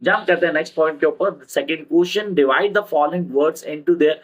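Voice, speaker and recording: A man with an Indian English accent giving an exam-prep lesson as a tutor, repeating key terms slowly in English and explaining them quickly in Hindi. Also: on the high side, lo-fi sound.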